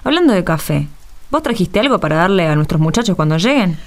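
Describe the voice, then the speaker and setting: A woman's voice: lowish voice, sing-song, fast talker. An actress with an Argentine accent playing a blunt, fed-up poor mother in a radio play. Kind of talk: radio drama acting.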